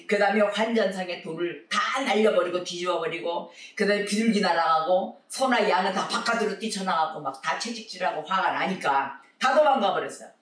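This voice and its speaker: A man preaching a sermon, telling the story with animated voices for the people in it. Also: sits high, a little fast, few pauses. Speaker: pastor. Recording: echoey room, recorded from far off.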